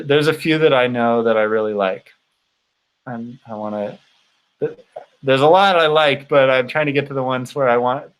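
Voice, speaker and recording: A man in his thirties chatting casually as host of a livestream, halting and rambling, his voice tired from long talking. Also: medium pitch, clear, resonant tone, low-quality recording. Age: 30s. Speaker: host of a bicycle touring channel.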